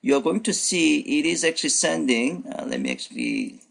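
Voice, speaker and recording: This is an unscripted screen-recording demo narrated by a male coding instructor whose first language is Korean, thinking aloud at his computer with lots of fillers and restarts. His fairly high voice swoops wildly in pitch and carries vocal fry and a breathy edge, at a normal speed.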